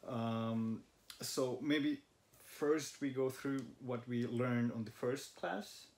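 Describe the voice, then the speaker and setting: This vlog host, a young native Finnish speaker from Finland, speaks slowly in a mid-range voice with a darkish tone. He chats casually about language study from a living room sofa, thinking aloud with fillers, in front of a camera aimed at the couch.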